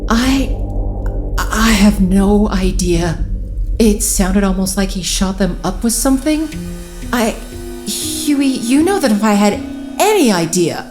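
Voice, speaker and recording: An actress playing a sharp, earnest woman investigator in a naturalistic audio drama, anxious and indignant. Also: mid-range voice, expressive, takes it slowly, music in the background. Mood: shaken, defensive.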